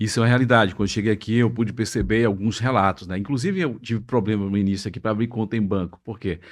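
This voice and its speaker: A man's fairly low voice at a very fast pace, with hardly any pauses, ordinary pitch variation and a quiet background. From Northeast Brazil. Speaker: podcast host, radio broadcaster. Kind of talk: casual interview chat.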